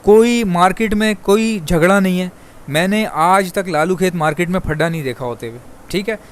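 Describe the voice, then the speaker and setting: Male bird-breeding vlogger from Pakistan, rapid and talkative, slightly high voice, faint ambient hiss. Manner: rapid, chatty, addresses viewers as brother. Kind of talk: fast casual monologue to viewers.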